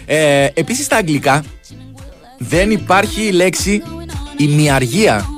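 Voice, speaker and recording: A man's voice: fairly high pitch, animated, music in the background. Joking radio co-host, man. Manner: dry, joking, reads listener messages aloud. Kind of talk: casual comedic radio banter.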